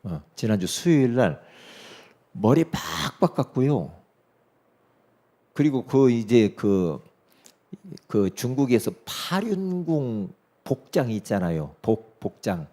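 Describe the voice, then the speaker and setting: Animated Korean pastor preaching a sermon. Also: male voice, slow pace. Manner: animated, swings from loud emphatic peaks to hushed low asides; acts out quoted dialogue in his story. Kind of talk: sermon with storytelling.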